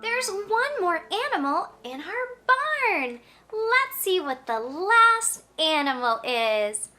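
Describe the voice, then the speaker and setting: A woman presents a lesson as if to a toddler, very slowly and with a big swooping pitch. Her voice sits extremely high, and she uses simple, encouraging prompts, leaving room for answers. Music plays behind her. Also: sing-song, bright, forceful tone. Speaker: children's educational show host. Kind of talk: toddler lesson, talking directly to young children.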